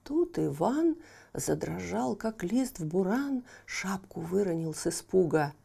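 A woman storyteller reading a verse fairy tale aloud for children, slow and expressive. Her voice is mellow, with a gravelly edge. Her pitch moves a lot as she tells the story.

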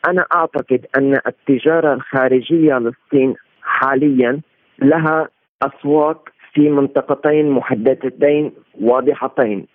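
A male analyst giving interview commentary in formal Standard Arabic, explaining at length and sometimes correcting himself haltingly. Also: medium pitch, no echo. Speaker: political and economic analyst, interview guest. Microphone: remote phone-like connection. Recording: tinny narrowband phone-like line.

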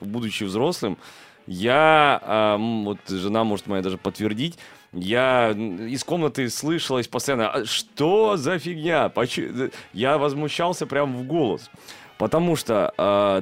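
Animated man retelling a fairy tale. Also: mid-range voice. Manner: animated, laughing, full of fillers and restarts as he retells a tale. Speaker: podcast co-host who staged a children's fairy-tale play. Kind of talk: casual storytelling conversation.

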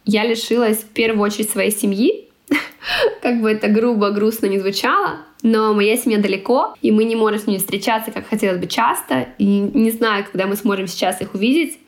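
Female podcast guest; rapid, bubbly, conversational delivery. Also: mid-range voice. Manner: quick, chatty, enthusiastic, self-correcting.

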